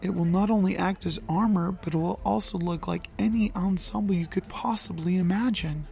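A woman voicing Loki, a calm, fatherly male trickster god who speaks softly and formally. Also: fairly low pitch, moderate pace, gravelly. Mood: gentle, apologetic. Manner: soft, composed, formal.

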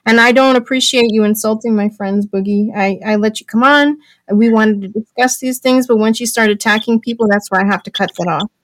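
A woman's voice: on the high side, a little fast, few pauses, no room sound, poor audio. Firm-voiced woman talk show host. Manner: firm, lecturing, scolds callers. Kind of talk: live online talk show.

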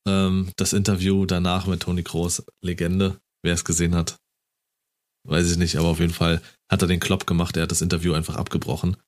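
Deep-voiced man, casual co-host, keen football fan. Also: a little fast. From Germany. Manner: enthusiastic, animated retelling.

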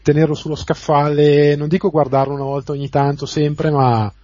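A man co-hosting a podcast over a phone line, explaining things in a measured way with small restarts. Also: on the high side, level tone, a little mellow, no room sound. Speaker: podcast co-host. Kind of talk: casual chat recommending a book. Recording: muffled dry phone-line audio.

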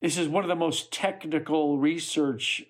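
A man's voice: a little high, normal speed. A man hosting a podcast, asking a guest eager and playful questions. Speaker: podcast host. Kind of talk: casual interview.

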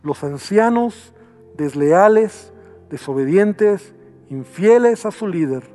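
A man's voice: sits high, lively intonation, slow pace, dark tone, faint music behind. A male pastor preaching a sermon, acting out quoted voices as he goes.

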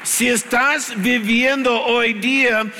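A man's voice: very high-pitched, steady tone, takes it slowly, crowd noise, noisy background. An older man preaching a sermon as pastor, emphatic and repetitive, in a large church hall. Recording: long hall reverb with faint music.

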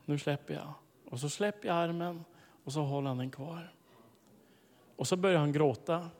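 Preacher, male, high voice, storytelling sermon, long hall reverb. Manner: storytelling with bursts of loud, high emphasis. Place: large hall, preaching to a congregation.

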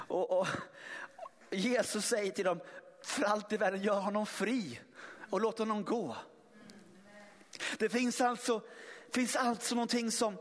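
A man's voice: high-pitched, a bit bright. A man preaching a sermon, speaking emphatically with many restarts and sudden swells in volume. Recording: long hall reverb.

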